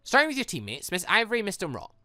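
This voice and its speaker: A gaming host voicing a stern male headmaster in a formal, measured, pointed way. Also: mid-range voice, huge pitch swings, bright, forceful tone, dry recording, voice pushed up. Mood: stern, accusing.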